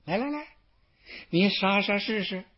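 Brief: smug, husky male advisor, lower and mocking, muffled lo-fi sound, as a storyteller puts him on. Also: lively intonation, unhurried, heavily acted. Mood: taunting. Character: smug, arrogant male advisor, taunting, self-important. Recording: dull lo-fi recording.

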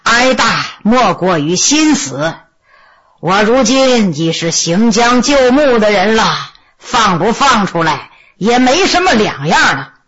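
A woman's voice: fairly high pitch, very animated, slow, a bit bright, lo-fi sound, full character voice. A woman doing a cold, weary old prince. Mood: cold, bitter. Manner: cold, weak, muttering.

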